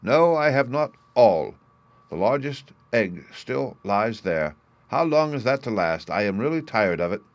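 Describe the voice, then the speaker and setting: A man's voice: mid-range voice, sing-song, unhurried, no echo. A man voicing a tired, fretful mother duck in a storybook reading, complaining as she waits on her last egg. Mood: weary. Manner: weary, complaining.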